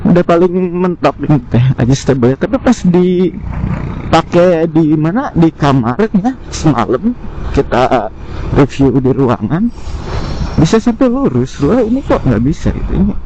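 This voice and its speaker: A man's voice: on the high side, big pitch swings, unhurried. A man giving a casual, slangy, unscripted gear review, thinking aloud as he rides, talking into a helmet intercom mic. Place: outdoors on a motorcycle, inside a helmet. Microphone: helmet intercom microphone. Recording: muffled helmet intercom mic, loud vehicle noise. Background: road and engine noise.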